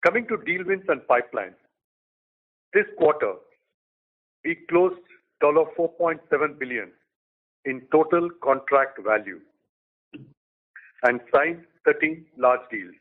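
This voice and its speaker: A man in the role of chief executive, giving a prepared quarterly business update in measured short phrases. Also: fairly high pitch, expressive. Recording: tinny phone line.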